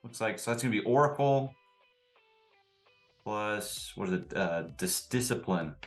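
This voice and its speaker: A man's voice: fairly low pitch, expressive, measured pace, faint music behind. A man talking casually as a player in a tabletop role-playing game.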